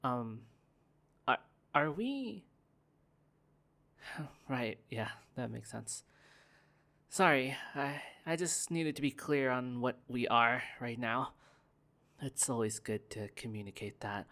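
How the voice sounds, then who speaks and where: Slow, soft-spoken young heir, lonely and guarded, stumbling over words, a man acting it out for an ASMR roleplay. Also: mid-range voice, expressive, heavily acted. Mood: wistful. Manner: soft-spoken, hesitant, stammering restarts. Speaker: roleplay performer.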